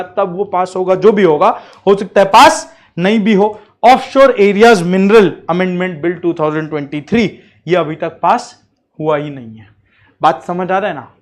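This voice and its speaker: High-voiced male law teacher. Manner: checks in often with the class; mixes English terms into speech. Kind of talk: classroom lecture.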